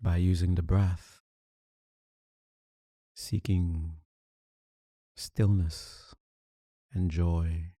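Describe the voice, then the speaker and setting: Deep, very dark-voiced man guiding meditation slowly. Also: no echo, clean studio sound. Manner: calm, soothing, deliberate phrasing with long pauses. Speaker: meditation teacher. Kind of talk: guided meditation narration.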